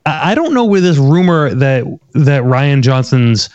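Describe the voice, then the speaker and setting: A man's voice: medium pitch, very animated, a little slow, a little mellow, dry recording. A man co-hosting over a remote call that buzzes and cuts out. He talks casually and halts, repeating words as he thinks. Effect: buzzy glitchy call audio that cuts out. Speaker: podcast co-host on a remote call. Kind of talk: casual chat. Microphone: remote call microphone. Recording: muffled, dry, lo-fi online call line.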